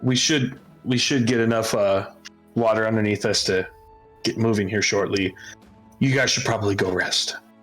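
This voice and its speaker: A man's put-on character voice, raspy and at medium pitch, at a moderate pace with long, frequent pauses over faint music in the background. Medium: actual play. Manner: gruff, blunt.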